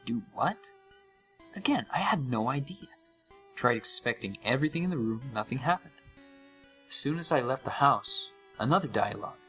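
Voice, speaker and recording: A young man performs a scripted horror story as an uneasy gamer recounting a haunted game, his delivery dramatic and suspenseful. His mid-range voice is bright, forceful and expressive at normal speed, sounding puzzled and tense, with faint music behind.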